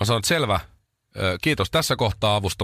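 Recorded very clean with a silent background and a dry, close sound with no echo, a man speaks at a fairly low pitch in a bright, sharp tone with vocal fry. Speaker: radio host. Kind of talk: casual chat. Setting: studio.

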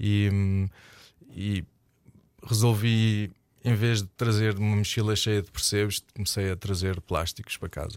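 A man with a fairly low pitch speaks fairly slowly, leaving long, frequent pauses. His intonation is fairly even, and the recording is very clean with a silent background. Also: dry, close sound with no echo. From Lisbon, Portugal. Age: 40s. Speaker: environmental artist. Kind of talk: interview. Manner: halting.

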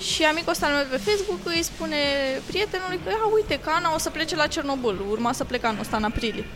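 Over noticeable background noise, a woman talks very fast in a high voice. Her pitch swings very widely while her loudness stays very even. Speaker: photographer. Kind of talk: casual chat.

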